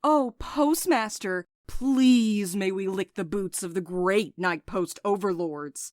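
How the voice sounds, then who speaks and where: Woman acting as angry young-rebel type courier, sarcastic, blunt, middle pitch, dry studio sound, audio fiction. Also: slow pace, darkish tone, no room sound, natural voice. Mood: bitter, sarcastic.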